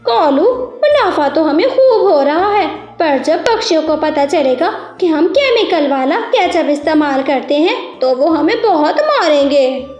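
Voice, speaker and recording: A woman's voice: high voice, expressive, measured pace, few pauses, darkish tone. A woman doing a greedy scheming crow wife. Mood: grumbling. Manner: scheming, grumbling. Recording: echoey with background music.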